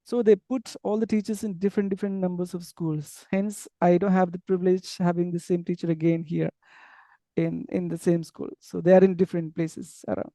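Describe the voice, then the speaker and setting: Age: unknown. Sex: man. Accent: Indian English. Native: an unwritten tribal language. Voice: mellow, hesitant. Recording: dry. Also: high voice, level tone, fairly quick, dry recording. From Andhra Pradesh, India. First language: tribal language without a script. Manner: hesitant, many fillers and restarts. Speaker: interview guest, English teacher abroad. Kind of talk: casual interview conversation.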